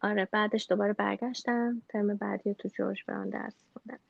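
A woman's voice: mid-range voice, level tone, vocal fry, no echo. Hesitant Iranian woman, dull dry recording. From Iran. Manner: hesitant, halting, mixing in English loanwords. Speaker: interview guest, bank employee. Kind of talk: conversational interview answers.

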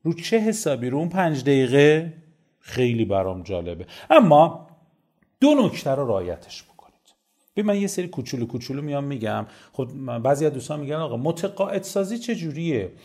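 A male negotiation trainer lectures in a chatty, animated way. His voice sits a little high for a man, with mellow, warm tones and a pitch that swings widely. He keeps putting questions to the listener and answering them himself. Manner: animated, rhetorical questions, addresses listener directly. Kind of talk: conversational lecture.

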